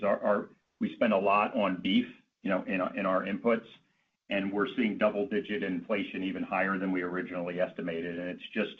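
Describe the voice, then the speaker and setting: Very deep-voiced executive on a dull line. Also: male voice. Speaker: company finance executive. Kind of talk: earnings call answers. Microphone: conference call line. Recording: dull conference call line, faint noise.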